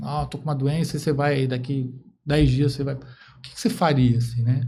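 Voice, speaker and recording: A man with a medium-pitched voice and a dark, mellow tone talks at a fairly quick pace, somewhat breathy, with fairly even intonation, big swings in loudness and audible room echo. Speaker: journalist. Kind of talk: podcast interview.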